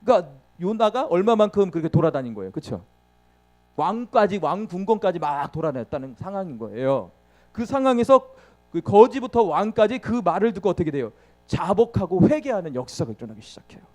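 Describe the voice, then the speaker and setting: This is a man preaching, his high voice very animated, a little mellow, and fairly quick. He keeps asking the congregation questions only to answer them himself, acting out the narrative with sound words and laughing a lot.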